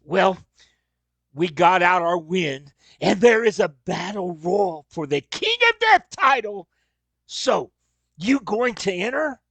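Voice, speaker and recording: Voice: medium pitch, very animated, takes it slowly, a bit bright, no room sound, full character voice. A performer playing a vengeful, frustrated wrestler prince in a staged reading, declaring boasts and threats. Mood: determined.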